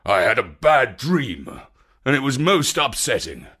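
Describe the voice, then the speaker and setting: A man reading as a brave young hero king who talks in earnest, measured lines. His pitch rises and falls with lively expression while the pace stays slow. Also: breathy edge, exaggerated voice. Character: brave young heroic king, anxious before battle.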